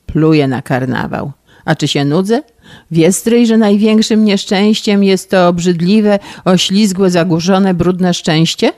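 A woman's voice: lowish voice, a little slow, darkish tone, no echo, clean studio sound, close to an everyday voice. A woman voicing a gloomy, melodramatic young man who speaks in a sullen, brooding way in an audiobook reading.

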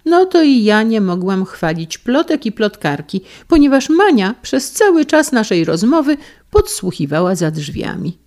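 A woman's voice: low-pitched, lively intonation, moderate pace, hardly any pauses. A woman voicing an indignant, argumentative middle-aged wife in a storybook reading, with a heated manner.

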